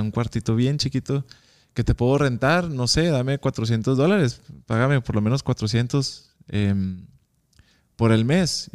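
Animated Mexican man telling a story. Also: mid-range voice, smooth. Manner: animated, acts out quoted dialogue. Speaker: guest. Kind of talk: casual storytelling interview.

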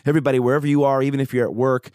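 A man with a hoarse voice hosting his podcast, upbeat and joking in casual chat. He grew up in Chicago. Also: medium pitch, level tone, very fast, a little mellow, dry recording, clean studio sound. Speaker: podcast host. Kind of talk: casual podcast monologue and interview. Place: home studio.

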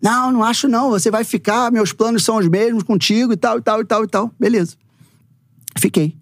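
Fast-talking animated Brazilian man. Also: high voice, no room sound, studio quality. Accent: Brazilian Portuguese. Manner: animated, acts out quoted dialogue, frequent "né" and "e tal". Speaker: football coach, podcast guest. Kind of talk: casual storytelling interview.

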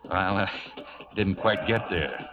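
An actor playing an easygoing, talkative drifter cowboy with rustic, colloquial speech in a 1940s radio western. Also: male voice, sits low, steady tone, slow, a crowd in the background. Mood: eager, casual. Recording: muffled vintage radio recording.

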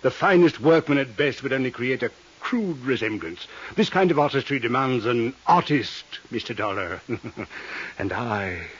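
Pompous theatrical jeweler, husky voice, florid and vain, dull 50s radio sound. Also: male voice, medium pitch, animated, a little slow, a bit bright. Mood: rapturous, proud. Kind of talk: 1950s radio drama acting. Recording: dull vintage 1950s radio recording.

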